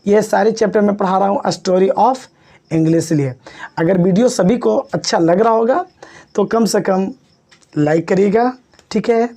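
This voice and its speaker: A man's voice: high voice, unhurried, dark tone. A man teaching an exam-prep English lesson, repeating points and coaxing his students. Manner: coaxing, repetitive, addresses students as "babu". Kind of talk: exam-prep video lecture.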